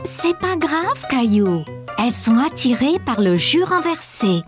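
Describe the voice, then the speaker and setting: Slow, lilting, kindly cartoon mum. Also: female voice, high-pitched, big pitch swings. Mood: reassuring. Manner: gentle, reassuring, encouraging. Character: kind, encouraging young mother. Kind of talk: children's cartoon dubbing. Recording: faint music under the voice.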